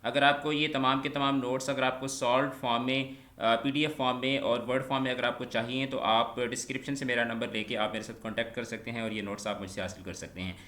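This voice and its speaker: Bright-voiced male English tutor. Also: mid-range voice, little pitch movement. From Pakistan. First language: Punjabi. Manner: sounds words out slowly, repeating each one many times. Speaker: English teacher. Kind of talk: online exam-prep lecture.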